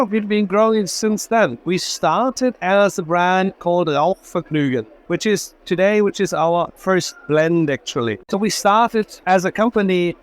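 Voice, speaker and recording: A man with a German accent whose first language is German, founder of a cigar brand, giving an earnest sales pitch in a trade show interview. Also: clean tone.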